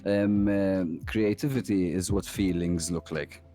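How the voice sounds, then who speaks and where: A man's voice: low-pitched, fairly even intonation, a little slow, mellow. A young adult man, an interview guest who plays music, chatting casually and rambling with restarts and frequent laughs. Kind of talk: casual chat.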